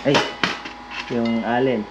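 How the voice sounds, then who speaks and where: A higher-voiced Filipino man hosts a casual vlog, talking slowly with fairly even intonation as he demonstrates a product he's giving away. He jokes around informally and calls the listener "brother," over noisy lo-fi audio with vehicle ambience.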